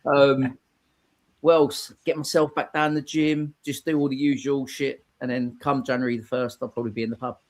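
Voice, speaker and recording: A man's voice: mid-range voice, level tone, moderate pace. A man talking earnestly and ramblingly in a casual chat, with plenty of fillers. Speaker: guest.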